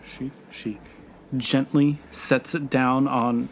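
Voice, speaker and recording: A man narrating a tabletop role-playing game as game master, deliberate, with dramatic pauses. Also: medium pitch, level tone, a little hiss or hum. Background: music.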